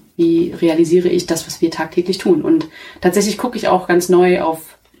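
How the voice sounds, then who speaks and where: This is a woman with a fairly low pitch. There is noticeable background noise. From Berlin. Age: 30s. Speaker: biochemist and mother. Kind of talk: casual interview.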